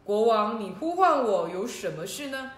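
A woman doing a booming thunder god. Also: big pitch swings. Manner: slow, loud, commanding. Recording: roomy echo.

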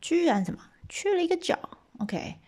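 A woman telling an old legend in a casual, lively way, checking in with listeners and dropping chatty asides. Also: very high-pitched, normal speed, slight background noise. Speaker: storyteller.

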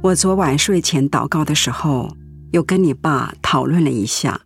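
A woman playing a gravely ill middle-aged Christian mother in a radio drama, speaking gently, earnestly and consolingly. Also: deep voice, lively intonation, normal speed, faint music behind. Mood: firm, earnest. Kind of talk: Mandarin radio drama acting.

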